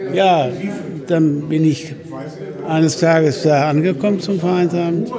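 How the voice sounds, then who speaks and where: A man speaks at a fairly slow pace, with noticeable background noise and audible room echo. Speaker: retired beekeeper. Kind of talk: interview. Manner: halting.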